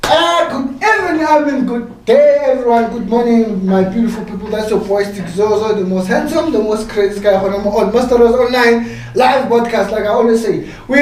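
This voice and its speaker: Hardly pausing, a man speaks at a moderate pace and an extremely high pitch. His intonation is lively, with noticeable background noise. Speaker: online radio podcast host. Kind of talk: casual interview chat.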